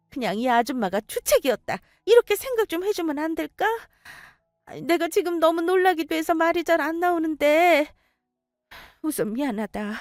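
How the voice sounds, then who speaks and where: A woman voicing a middle-aged mother who whines and begs in a high, tearful voice. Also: no echo, studio quality. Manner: high, whiny, begging, tearful. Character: pleading middle-aged Korean mother, overbearing then begging.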